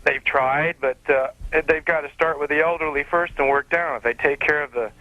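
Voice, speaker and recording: A man calling in to a radio show over the phone, talking in a plainspoken, earnest, halting way. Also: on the high side, fairly even intonation, dry recording, highs cut off. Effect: heard over the phone. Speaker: caller. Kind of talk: call-in radio chat.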